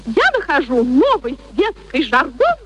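Gushing, high-pitched young society lady. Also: huge pitch swings, a little slow, exaggerated voice. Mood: gushing, breezy. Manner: gushing, affected. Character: eager young society lady, brashly fashionable. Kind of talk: theatrical radio play acting. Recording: faint noise, archive radio drama.

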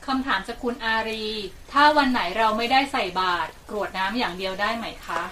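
A woman's voice: fairly high pitch, brisk, sharp tone. A woman politely reading out questions sent in by listeners. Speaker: reader of submitted questions. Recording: distant mic with faint noise.

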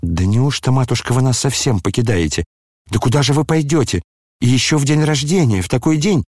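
A man voicing tearful young maids in an audiobook, pleading in a raised, higher voice. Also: animated, brisk, darkish tone, dry recording, clean studio sound, close to an everyday voice. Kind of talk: audiobook character reading.

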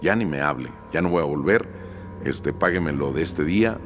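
A man voicing an angry middle-aged cleaning woman, with curt, indignant demands and a slightly raised pitch. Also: expressive, moderate pace, a bit bright, in a large hall, a little hiss or hum.

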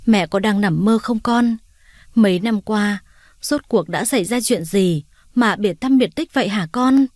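A woman's voice: medium pitch, measured pace, a little mellow, no room sound, studio quality, lightly acted. A woman voicing an old grey-haired mother, speaking in a choked, emotional way.

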